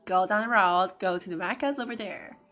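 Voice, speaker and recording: A woman with a Cantonese accent streams a game and chats casually with her viewers, rambling and laughing often. Her mid-range voice is slightly bright and a little fast, with faint music behind it.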